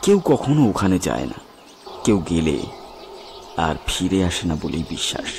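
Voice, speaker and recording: A man narrating a scripted horror story dramatically, with suspenseful, weighted pauses. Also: deep voice, big pitch swings, creaky, darkish tone, a little hiss or hum. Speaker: narrator and presenter. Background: music with birds and crickets.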